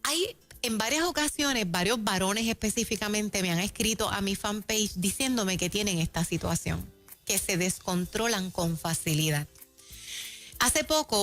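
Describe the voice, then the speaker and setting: A woman's voice: medium pitch, fairly bright tone. A woman with a Puerto Rican accent giving a conversational faith teaching on Christian radio, chatty and laughing between points.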